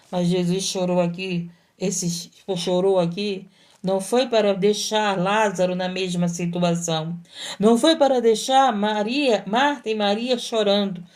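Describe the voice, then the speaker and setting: A woman's voice: medium pitch, a little mellow. A woman missionary preaching a sermon, fervent and repetitive, often breaking in with praise to God.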